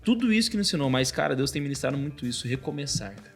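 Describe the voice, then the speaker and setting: A man in his thirties, a podcast guest, telling a personal faith story in casual chat, animated and full of filler words. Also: mid-range voice, racing, gravelly, faint music behind. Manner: animated storytelling, constantly says "cara".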